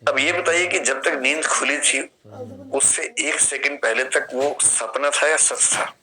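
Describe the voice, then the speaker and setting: A man's voice: medium pitch, fairly even intonation, unhurried, pushed and bright, low-quality recording. A man in his fifties with an Indian accent, giving a classroom lecture and explaining through questions and vivid examples. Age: 50s. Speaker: philosophy teacher.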